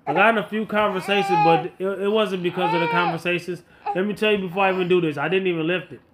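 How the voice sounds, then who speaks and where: A man's voice: sits high, fairly even intonation, fast, heavy background noise. A man in his late thirties talking casually to viewers as a fitness vlogger, blunt, emphatic and colloquial, often repeating himself to make a point. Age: late 30s. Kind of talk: casual motivational talk to viewers.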